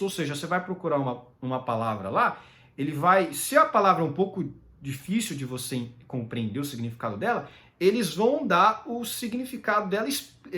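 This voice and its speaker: Animated Brazilian man talking casually. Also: high voice. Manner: rambling, with many fillers and tag questions. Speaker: commentator. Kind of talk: casual solo commentary.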